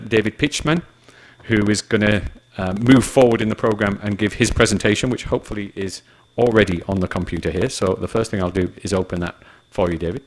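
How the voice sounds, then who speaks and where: A man's voice: on the low side, low-quality recording. Man chairing a conference session. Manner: relaxed, joking, measured. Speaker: session moderator.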